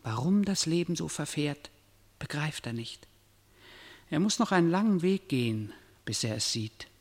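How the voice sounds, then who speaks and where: An actor playing an ominous, moralising storyteller in a radio play, solemn and declamatory. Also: male voice, a little high, lively intonation, normal speed. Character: grave male omniscient narrator, ominous moralising storyteller. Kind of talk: literary radio play narration. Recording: long reverberant hall echo.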